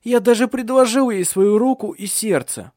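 A man voicing a flustered, loud young nobleman. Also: high voice, expressive, a little fast, dry recording, studio quality, voice pushed up. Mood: exasperated.

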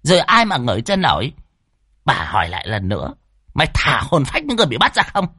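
A man's voice: mid-range voice, huge pitch swings, fairly quick, bright, forceful tone, slightly rough, dry recording, studio quality, voice pushed up, heavily acted. A man voicing a fat, fierce old woman exorcist in a horror story, scolding and threatening in coarse bursts. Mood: scolding threats.

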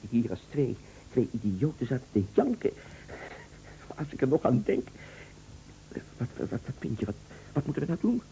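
Anxious, wavering betrayed man, stammering, creaky voice with wildly varied pitch, old radio play. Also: big pitch swings, moderate pace, long pauses, warm tone. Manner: stammering, repeating words. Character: agitated, betrayed male confidant, anxious and indecisive. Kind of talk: radio drama acting. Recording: dull, noisy old radio play recording.

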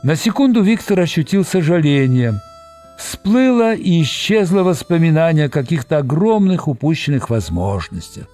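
Male audiobook reader, lively intonation, slightly high voice, faint background music. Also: moderate pace. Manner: expressive reading, voicing all characters. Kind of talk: scripted narration of a novel.

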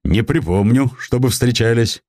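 An actor voicing a brash, folksy Cossack chieftain who talks boastfully and defiantly in colloquial peasant speech. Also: male voice, medium pitch, expressive, moderate pace, a little mellow, dry recording, studio quality, natural voice. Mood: sly.

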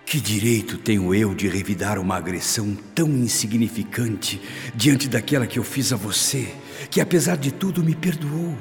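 A man's voice: on the low side, moderate pace, few pauses, natural voice. An actor playing a humbled, repentant father in a radio soap opera, speaking earnestly and conciliatorily. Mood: contrite. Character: humbled, repentant father restraining his anger. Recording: long reverb, music over voice.

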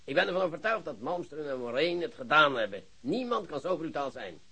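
An actor playing an excitable, boastful police chief who lectures his colleagues in a radio play. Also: on the high side, a little fast, breathy edge, heavily acted. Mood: excited, lecturing. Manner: animated, theatrical, lecturing colleagues. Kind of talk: Dutch radio drama acting.

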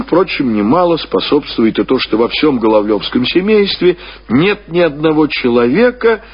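A man reading classic fiction as a narrator, in measured, expressive storytelling with deliberate pauses. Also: mid-range voice, breathy edge. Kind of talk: scripted literary narration. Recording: dull, lo-fi radio-style recording.

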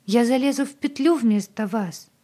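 A woman's voice: fairly high pitch, animated, a little slow, mellow, husky, pitched above the performer's own voice. A woman voicing a nervous, tearful young pregnant woman who begs and pleads in a raised, shaky voice. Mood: desperate.

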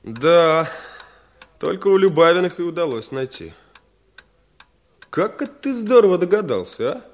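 A man's voice: a little high, lively intonation, moderate pace, lightly acted. An actor playing a cheerful, boastful young village man in a radio play. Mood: breezy. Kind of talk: Soviet radio play acting.

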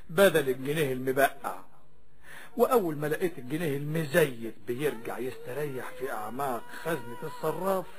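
Actor as Egyptian cafe storyteller, a talking banknote. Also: male voice, medium pitch, natural voice. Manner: Arabic cafe storyteller, florid greetings to listeners. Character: talking banknote, genial long-suffering male storyteller. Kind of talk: radio drama narration.

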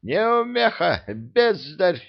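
A man's voice: fairly high pitch, huge pitch swings, extremely slow, vocal fry, voice pushed up, heavily acted. A hot-tempered genie vizier snaps and scolds his underlings, as a male narrator puts him on. The voice is raised well above the reader's own, barking, on a dull lo-fi recording. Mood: scolding.

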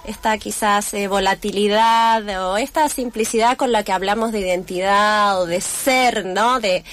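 A woman's voice: medium pitch, unhurried, fairly bright tone, a little hiss or hum. A woman guest in a radio studio, talking in a thoughtful, hesitant way with many fillers. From Mexico-born, Chilean family. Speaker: theater cast member guest. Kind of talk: casual radio conversation.

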